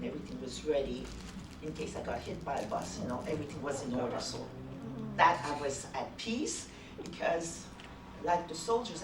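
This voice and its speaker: A woman's voice: low voice, background noise. A middle-aged woman from Canada, giving a conference talk in a chatty, anecdotal way. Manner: chatty, anecdotal, laughs often. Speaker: conference speaker. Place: conference hall. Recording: echoey hall from far off.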